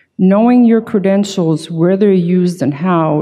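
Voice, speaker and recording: The voice has a dark, mellow tone and ordinary pitch variation at a moderate pace. The background is quiet. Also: woman. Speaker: network security expert, keynote speaker. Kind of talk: conference keynote talk; audience Q&A answer. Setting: conference stage with audience. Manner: speeding up to finish. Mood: lightly humorous. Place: hall. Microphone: podium.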